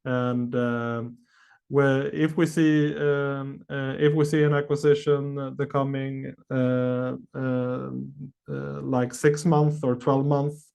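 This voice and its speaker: Exec guy on an earnings call, average pitch, lots of uhs and ums, kinda halting. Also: level tone, gravelly, a little mellow, smooth. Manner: halting, hesitant delivery full of long filled pauses. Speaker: company executive. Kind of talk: answering analyst questions on an earnings call.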